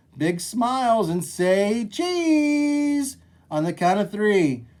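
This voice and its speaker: In a put-on character voice, a woman goes sing-song at a very slow pace, medium in pitch yet with very wide pitch swings. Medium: read story.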